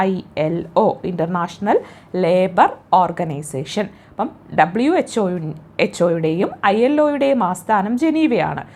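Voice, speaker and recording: A woman with a Malayali accent teaching exam facts, asking questions and answering them herself with steady repetition. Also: medium pitch. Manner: coaxing, checks the listener with "kēṭṭō" and "allē". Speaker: exam tutor. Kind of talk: spoken quiz lesson.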